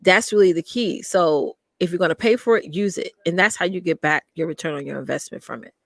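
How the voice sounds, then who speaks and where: Woman co-host on a live stream, gravelly voice, dry sound, emphatic. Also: on the low side, a little fast, a bit bright, no room sound. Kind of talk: casual live stream chat.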